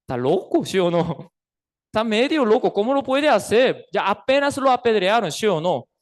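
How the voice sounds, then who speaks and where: Speaking at normal speed in a high, very animated voice, a pastor with a Costa Rican Spanish accent keeps posing rhetorical questions to his church congregation. When he quotes figures from his stories, he acts them out in a raised voice.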